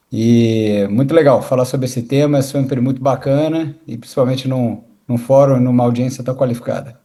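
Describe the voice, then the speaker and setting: Speaking at a fairly slow pace with a Rio de Janeiro accent, a man uses a medium pitch and a dark, mellow tone in a monotone, flat intonation. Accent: carioca accent, noticeable. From Rio de Janeiro, Brazil. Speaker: tech executive, podcast guest. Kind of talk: interview.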